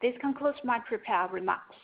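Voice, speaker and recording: Woman, company finance executive, formal scripted report delivery, measured, dull conference-call sound. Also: a little high.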